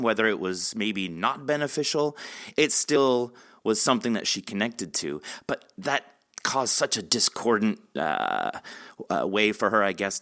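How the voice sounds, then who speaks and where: A man with a fairly low but very bright, forward voice hosts a conversational interview. He is effusive and rambles, stopping and restarting his thoughts. The sound is dry and close. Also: no room sound. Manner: effusive, rambling, halting mid-sentence. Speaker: podcast host interviewing an author.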